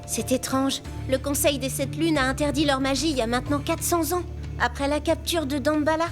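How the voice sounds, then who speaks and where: A sensible girl hero from a children's cartoon, voiced by a woman, calm and reasoned. Her voice sits high. Music plays behind. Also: a little fast, lightly acted. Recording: music under the voice.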